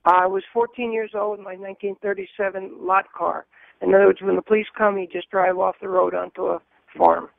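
A man in his seventies with a high voice, calling in to a radio show and rambling enthusiastically about cars. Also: flat delivery, fairly quick, creaky, dry recording. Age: 70s. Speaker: caller. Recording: tinny phone line.

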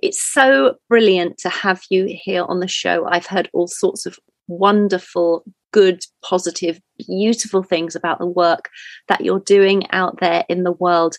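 A woman's voice: on the low side, steady tone, a little slow, no room sound. A woman hosting a podcast on spirituality, effusive and encouraging as she interviews her guest. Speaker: podcast host.

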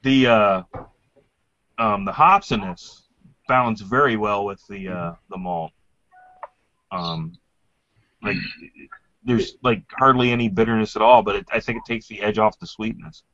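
A man's voice: on the low side, unhurried, pauses often, a bit bright, no echo. A man chatting casually about beer and glassware, rambling with lots of ums and likes. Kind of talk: casual beer tasting chat. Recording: dry, slightly dull lo-fi sound.

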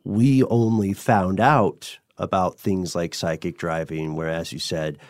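A man hosting a conversational podcast interview, articulate and measured, with a rather formal choice of words. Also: low-pitched, fairly even intonation, darkish tone, dry recording, clean studio sound.

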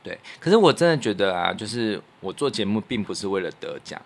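Low-voiced, modest Taiwanese Mandarin man. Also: big pitch swings, fast, gravelly. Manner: modest, self-effacing. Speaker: podcast co-host, radio producer. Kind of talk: casual chat, reflective storytelling.

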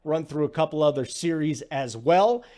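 Emphatic male sports-betting host, casual delivery, somewhat higher pitch. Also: animated, moderate pace, warm tone. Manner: emphatic, keeps asking "okay?".

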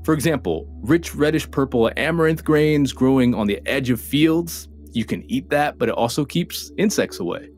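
A man's voice: medium pitch, animated, normal speed, hardly any pauses, a little mellow. A man hosting and narrating a food documentary in a playful, conversational way. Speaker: host and reporter. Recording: light music underneath.

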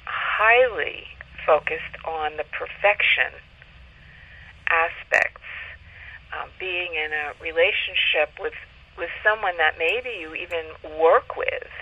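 A man speaking as an interview guest, explaining in a halting way, thinking aloud with pauses. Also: a little high. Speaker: guest astrologer. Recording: muffled, lo-fi call audio.

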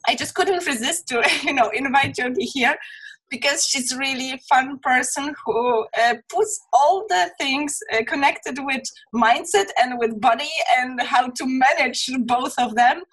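A woman's voice: sits high, measured pace, a bit bright, breathy edge, poor audio. A woman hosting an interview, talking in a friendly, rambling way with many fillers. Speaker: interview host. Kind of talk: casual interview chat.

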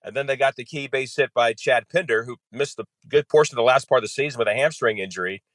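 A man's voice: medium pitch, fast, fairly bright tone, no room sound. A man with a mid-range voice recounting a baseball game in rich, conversational detail. He sprinkles his storytelling with "you know" as he goes. The sound is dry and close. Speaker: radio play-by-play announcer, guest.

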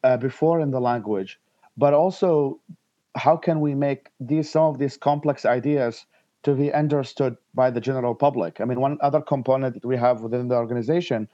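A man from Iraq, in his thirties, answering interview questions in halting speech with frequent restarts and fillers. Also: medium pitch, warm tone, dry recording, highs cut off. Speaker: guest, nonprofit founder.

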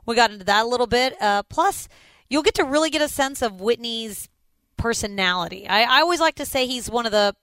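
A sports podcast host with an upbeat, chatty delivery, introducing guests and interviewing a player. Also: male voice, extremely high pitch, animated, fairly quick, pushed and bright, smooth, no echo. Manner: upbeat, chatty, reads sponsor spots. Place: stadium.

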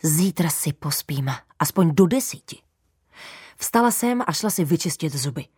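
A woman narrating a children's story in the first person as a girl, lively and playful with whispered asides. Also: deep voice, husky, no room sound, studio quality.

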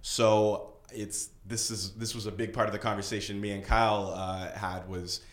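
A man's voice: on the low side, flat delivery, normal speed. Hesitant man in an echoey room. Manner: hesitant, searching, many ums and restarts. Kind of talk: casual podcast talk.

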